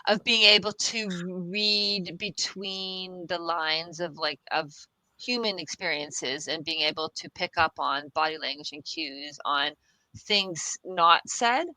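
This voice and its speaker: Woman podcast guest, bright and dry close-mic sound, reassuring, laughs a lot, repeats phrases. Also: on the low side, slow, dry recording, rough recording. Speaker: guest expert on the future of work. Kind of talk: casual podcast interview.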